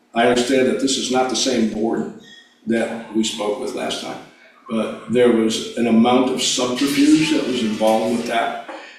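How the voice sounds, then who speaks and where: Amid noticeable background noise and audible room echo, a man speaks at a medium pitch and moderate pace with fairly even intonation. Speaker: property owner making public comment. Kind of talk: public comment at meeting. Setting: meeting room.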